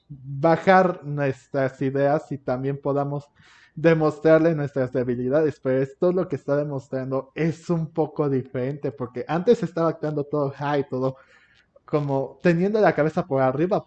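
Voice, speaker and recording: A man with a Hispanic Spanish accent gives casual game commentary, speaking in a halting way and often rephrasing himself. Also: on the high side, a little mellow. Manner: halting, repeats and rephrases himself, switches languages. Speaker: gameplay commentator. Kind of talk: casual game commentary explaining story dialogue. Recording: dull lo-fi mic over game music. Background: game music.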